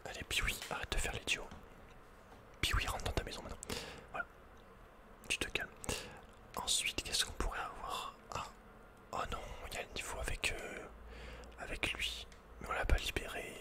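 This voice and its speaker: Male, whispered, breathy and soft, ASMR gaming host, casual murmured commentary, slangy asides. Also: normal speed, long pauses.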